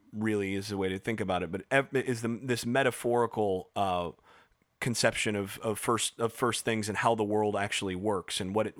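Halting, professorial man, low voice. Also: a bit bright, no room sound, studio quality. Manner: halting, many restarts and fillers, professorial. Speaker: podcast co-host. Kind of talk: casual explanatory discussion.

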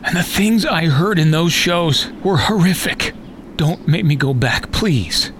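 A man's voice: fairly high pitch, expressive, unhurried, fairly bright tone, a little hiss or hum. A man playing a pleading, chatty deserter knight facing execution in a fantasy parody sketch, talking in a casual modern way. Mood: desperate, pleading.

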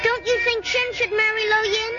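Woman voicing a small eager boy, very high piping voice, 1940s radio play, muffled old broadcast. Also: moderate pace. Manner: excited, childish pleading. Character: eager chattering young boy, Little Bean. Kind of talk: 1940s radio drama acting. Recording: dull lo-fi 1940s radio with music.

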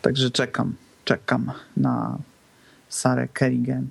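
A man's voice: medium pitch, completely flat delivery, slow, gravelly, breathy edge. A man co-hosting a podcast in casual, laid-back conversation. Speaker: podcast co-host. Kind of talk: casual chat.

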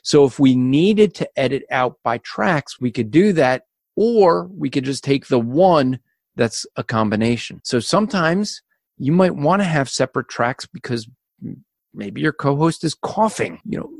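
A man co-hosting a podcast, explaining recording gear in a casual instructional way with a loud, carrying voice and energetic delivery. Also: mid-range voice, creaky, no echo, clean studio sound. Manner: energetic, explanatory, addresses listeners as folks. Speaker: podcast co-host.

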